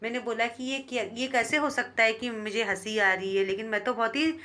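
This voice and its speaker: Woman teacher, bright tone, slow verse reading, quick Hindi explanation, many restarts. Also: fairly high pitch, fairly even intonation. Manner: reads poem lines slowly, then explains in fast Hindi; frequent restarts and repetitions. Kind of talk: explaining an English poem in Hindi.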